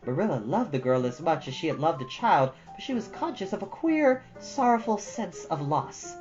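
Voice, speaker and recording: A woman's voice: fairly low pitch, very animated, moderate pace. A woman hosting a storytime, narrating a book in an audiobook style. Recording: dull audio over soft guitar music. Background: soft guitar music.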